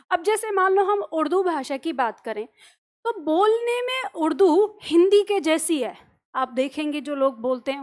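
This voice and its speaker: Woman, high voice, grammar teacher, patient classroom explanation, asks and answers her own questions. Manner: explains patiently with everyday examples.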